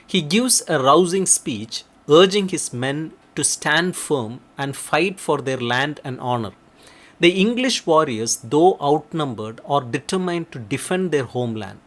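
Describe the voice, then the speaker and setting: A man reading a scripted educational narration in a measured, formal way. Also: fairly high pitch, a bit bright. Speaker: narrator of a literature explainer.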